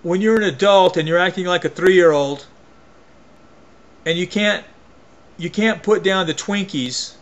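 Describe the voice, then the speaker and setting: A man's voice: high voice, a little slow, pauses often, lo-fi sound. A man delivering an opinion rant to camera as a vlogger, emphatic and folksy, often restarting and repeating his phrases.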